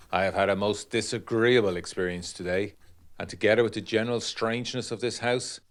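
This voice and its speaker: A deep-voiced gentleman of the 1920s, narrating a gothic audio drama letter. He is formal and measured, with an educated, literary turn of phrase and an undercurrent of unease. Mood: troubled, confiding.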